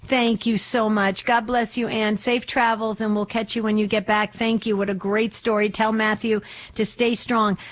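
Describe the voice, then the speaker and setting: A woman hosting a devotional call-in radio show, chatty and devout, with a slightly hoarse voice and frequent restarts. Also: medium pitch, little pitch movement, moderate pace.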